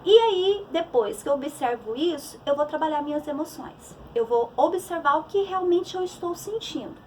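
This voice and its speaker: A woman's voice: high voice, lively intonation, normal speed, far from the mic, a little hiss or hum, low-quality recording. A middle-aged woman psychologist with a Brazilian Portuguese accent, giving a conversational church talk on emotions with many restarts and fillers.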